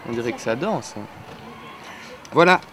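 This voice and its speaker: A man's voice: mid-range voice, lively intonation, moderate pace, very noisy. A man who plays the accordion, explaining to an audience how the instrument works in a chatty, hands-on way and often ending his sentences with "hein". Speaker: accordion player teaching an audience. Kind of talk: lively hands-on demonstration. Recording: accordion music heard behind.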